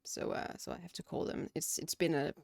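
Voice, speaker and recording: Speaking a little fast in a darkish tone, a Danish-accented woman from Denmark chats casually during a game stream at her home computer. She reads out questions from chat and answers them in a room with windows and curtains. The sound is studio quality with no echo.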